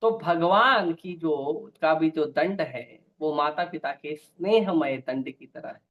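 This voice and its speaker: A man's voice: a little high, takes it slowly. A man preaching a devotional sermon with stories, emphatic and repeating key phrases. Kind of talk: Hindi devotional sermon with storytelling. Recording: dull lo-fi recording.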